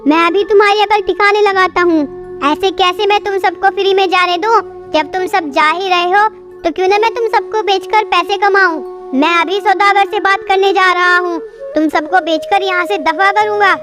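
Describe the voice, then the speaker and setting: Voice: very high voice, steady tone, moderate pace. A performer doing a bullying sparrow father. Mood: angry. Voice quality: harsh threatening. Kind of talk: storybook cartoon voice acting. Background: music.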